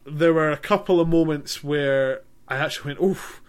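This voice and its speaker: A man co-hosting a casual film podcast, speaking in a measured, hesitant way with frequent ums. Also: on the high side, steady tone, clean tone. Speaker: podcast co-host. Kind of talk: casual chat.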